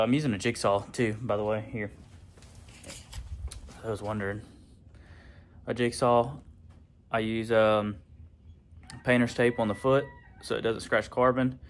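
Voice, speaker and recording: Easygoing shop guy, lower voice, chatty and unpolished, explaining his build. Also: a little slow, pauses often, a little hiss or hum. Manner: relaxed, rambling, with many fillers. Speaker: fabricator and channel host. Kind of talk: casual shop vlog. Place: garage workshop.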